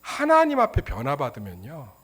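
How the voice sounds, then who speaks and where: 남성 목사가 교회에서 목소리를 흉내 내 가며 유머러스한 이야기로 설교한다. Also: male voice, fairly high pitch, wildly swooping pitch, normal speed, a bit bright, husky. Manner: humorous storytelling, acting out voices. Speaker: pastor. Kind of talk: sermon. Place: church.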